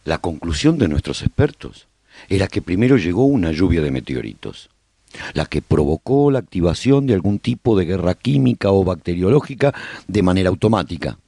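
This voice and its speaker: A man's voice: sits low, dark tone, breathy edge, no room sound, studio quality, full character voice. A man playing a haunted, reflective survivor who chronicles the apocalypse in theatrical, emphatic first-person radio-serial narration. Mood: grave, explanatory.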